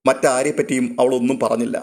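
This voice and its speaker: Narrator doing friendly young guy, brisk teasing tone, audio story. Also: mid-range voice, fairly even intonation, a little mellow, lightly acted. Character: friendly young man, teasing older cousin.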